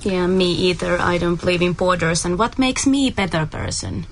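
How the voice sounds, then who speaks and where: Lowish-voiced woman from Finland. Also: animated, fairly quick, a little hiss or hum. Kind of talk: earnest group discussion.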